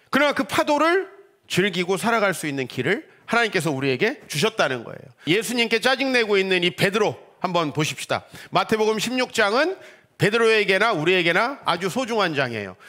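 Male pastor, middle-aged, animated sermon delivery, bright voice with big swings in pitch. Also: brisk. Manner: animated, rhetorical questions, acts out quoted voices.

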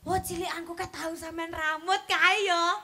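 A young East Javanese woman bantering on stage as part of a comedy act. Her voice sits very high and rings bright and forceful. She teases her partners in a chatty way and laughs easily. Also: flat delivery, gravelly. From East Java. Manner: teasing, chatty, quick to laugh. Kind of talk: playful live stage banter.

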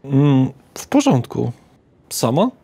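A man's voice: medium pitch, big pitch swings, slow, gravelly, mellow, slightly rough. A man narrating a tabletop roleplaying game as game master, describing scenes with small hesitations.

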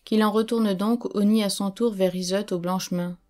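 A woman's voice: medium pitch, steady tone, moderate pace, darkish tone, lightly acted. A woman reading the lines of a proud medieval queen in a stately, reproachful way. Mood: bitter grief.

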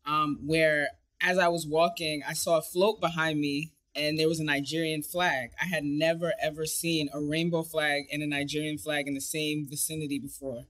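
A woman's voice: deep voice, level tone, normal speed, few pauses, a bit bright. American woman telling stories informally. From United States. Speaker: film co-director, guest. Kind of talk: casual personal storytelling. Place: indoor room on a video call.

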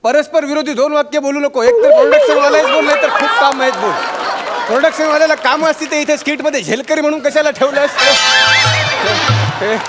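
A man playing a grieving, sharp-tongued old man in a stage comedy sketch, teasing his friend. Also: very high voice, animated, fairly quick, a loud crowd. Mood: mocking. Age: older. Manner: teasing, wisecracking, mock-mournful. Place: TV comedy stage with live audience. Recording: stage mic with loud audience laughter and music.

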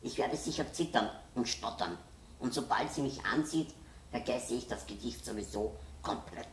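A woman's voice: very deep voice, slow, voice pushed up, full character voice. Woman doing a pleading, sulky young boy for a storybook; boyish lift, faint hiss behind. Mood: worried. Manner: pleading, turns to angry shouting. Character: anxious, stubborn young boy. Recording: roomy, distant mic, faint hiss.

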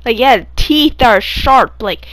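A young woman casually telling stories of dreams in a puzzled, halting way, repeating and trailing off. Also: on the high side, lively intonation, fairly bright tone, no echo, poor audio. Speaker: storyteller recounting own dreams. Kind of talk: casual story time over gameplay.

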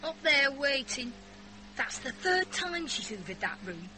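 A woman's voice: high voice, very animated, a little slow, sharp tone, a little hiss or hum, heavily acted. An actress playing a cheeky, rebellious fifteen-year-old girl with a Northern English accent, blunt and scornful, in a radio drama. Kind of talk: naturalistic radio drama acting.

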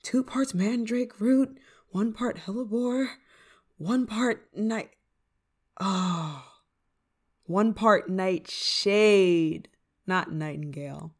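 Novice witch, played by a woman: affectionate, flustered, hesitant, mid-pitched, slow delivery, roleplay audio. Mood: worried, flustered. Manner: hesitant, stammering, fretful, sighing. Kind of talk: ASMR roleplay monologue to the listener.

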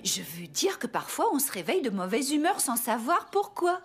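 A woman's voice: high voice, big pitch swings, moderate pace. A woman voicing a kindly, cheerful grandmother in a cartoon, with an affectionate sing-song manner. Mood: gentle, reassuring. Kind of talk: French-language cartoon voice acting. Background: music.

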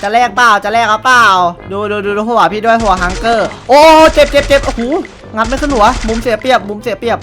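A young man giving excited gameplay commentary, taunting opponents and repeating short calls over and over. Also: extremely high pitch, fast, few pauses, soft background music. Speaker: gamer streamer.

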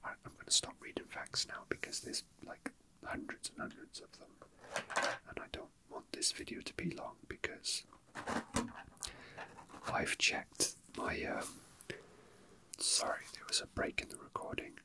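A man whispering softly and breathily in a casual, unscripted ASMR style, with halting delivery, close to the microphone. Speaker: ASMR video host.

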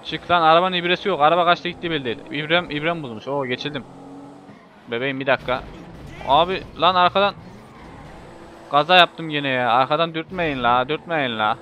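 A man commentating a racing game in a casual, excitable way, swearing and yelling when he crashes. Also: a little high, fairly quick. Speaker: gameplay video host. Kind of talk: live gameplay commentary. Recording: muffled lo-fi mic with faint hiss.

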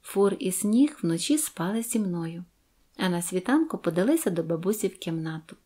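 A woman narrating a Christmas fairy tale in the first person, gentle and expressive. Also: on the low side, normal speed, husky. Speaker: audiobook narrator. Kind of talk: storytelling narration.

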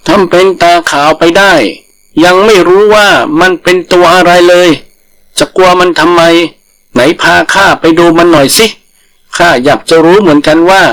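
Folktale monkey, man performing: cocky, teasing, coaxing, raised pitch. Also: fairly even intonation, normal speed, a bit bright, low-quality recording. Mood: scoffing. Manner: scoffing, coaxing. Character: curious, teasing, overconfident langur monkey.

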